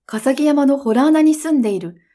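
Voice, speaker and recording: A woman's voice: sits high, moderate pace, voice pushed up, natural voice. A woman reading a storybook, voicing a loyal magic white dog that barks and eagerly reports to its master. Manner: loud, eager barking report.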